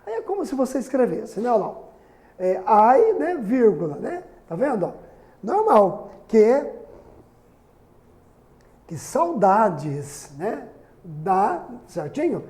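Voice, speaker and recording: Brazilian grammar teacher guy, mellow dark voice, keeps asking "né?", talks while writing on the board. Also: high voice, sing-song, slow pace, pauses often. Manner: chatty, constantly asking "né?" and "certinho?"; writes on the board while explaining. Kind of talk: recorded online grammar lesson.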